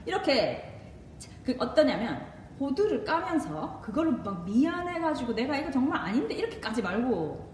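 A middle-aged woman doctor from the Gyeongsang region with a Gyeongsang accent, giving casual parenting advice with lots of laughter. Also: normal speed. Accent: Gyeongsang Korean. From Gyeongsang region of Korea. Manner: lively, laughs often, switches into English phrases. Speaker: doctor and parenting channel host. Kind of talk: casual advice talk to viewers. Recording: echoey room, mic at a distance, faint rumble.

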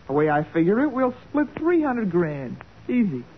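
A woman's voice: mid-range voice, sing-song, normal speed, natural voice. A woman playing a hard-boiled, cocky gangster boss with a brash, slangy American delivery in a 1940s radio crime drama. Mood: smug, scheming. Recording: scratchy, narrow-band 1940s radio recording.

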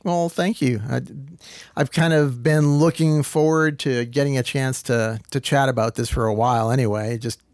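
A man's voice: medium pitch, steady tone, moderate pace, a little mellow, no echo, studio quality. A middle-aged man from the Boston area, a guest speaking casually in an easygoing, rambling way with restarts. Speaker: guest, former studio engineer. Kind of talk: casual interview chat.

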